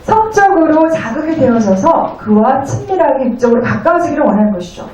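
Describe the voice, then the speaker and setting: A woman interpreting a lecture phrase by phrase in a polite, formal, somewhat halting way. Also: high voice, very animated, a little mellow, slight background noise. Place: echoey indoor venue. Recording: very echoey, distant room.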